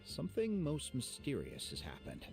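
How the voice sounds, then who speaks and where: A man voicing a calm, dignified male tribal chief in a video game, measured in his speech. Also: medium pitch, soft background music.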